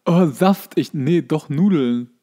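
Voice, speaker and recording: A man's voice: on the high side, slow, warm tone. A man co-hosting a podcast in casual comedic banter, with playful, tongue-in-cheek asides. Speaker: podcast co-host.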